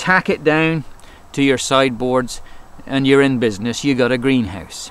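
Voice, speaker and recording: A man speaks at a fairly slow pace with ordinary pitch variation and very even loudness, in a dry sound with no echo. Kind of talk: garden tour explanation. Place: garden.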